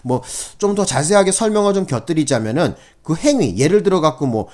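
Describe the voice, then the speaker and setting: A man's voice: a little high, sing-song, brisk, a little mellow. A middle-aged man lecturing on criminal law for exam candidates in a conversational way, with frequent fillers and checks for agreement.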